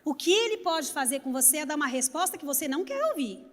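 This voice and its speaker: A woman's voice: high voice, fast talker. A woman pastor preaching a sermon, telling stories and talking straight to the congregation. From Brazil. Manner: animated storytelling preacher, addresses congregation directly. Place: church sanctuary. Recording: long reverb of a church hall.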